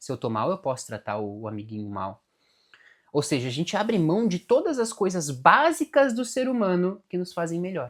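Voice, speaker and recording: Heard in a very clean recording against a silent background, a man with a slight southern Brazilian accent talks at a moderate pace in a high pitch marked by very wide pitch swings. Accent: gaúcho (southern Brazilian), slight. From southern Brazil (Rio Grande do Sul). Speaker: self-help video host. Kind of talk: motivational talk to camera. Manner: direct, emphatic.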